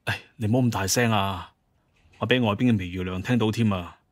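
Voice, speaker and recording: A man's voice: lowish voice, brisk, no room sound, studio quality, lightly acted. A man voicing an exasperated, placating grown son, a young hunter chief, in an audio drama, with pleading exclamations.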